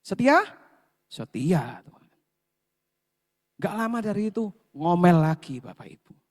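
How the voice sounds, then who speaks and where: A man's voice: high-pitched, lively intonation, moderate pace, in a large hall. A man preaching a sermon, telling the story with questions to the congregation and acting out the grumbling crowds. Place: church hall.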